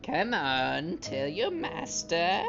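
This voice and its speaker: A man's voice: on the high side, huge pitch swings, extremely slow, vocal fry, voice pushed up, exaggerated voice. A man voicing a playful young heroine who slips into a mock witch voice, teasing and theatrical. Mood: mock menacing. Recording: muffled, game music behind.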